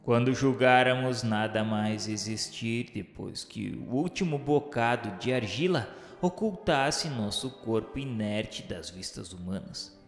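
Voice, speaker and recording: A man with a Brazilian accent giving a solemn, literary radio narration in a formal, declamatory, measured way. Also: mid-range voice, lively intonation. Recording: echoey hall-like reverb under music. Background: music.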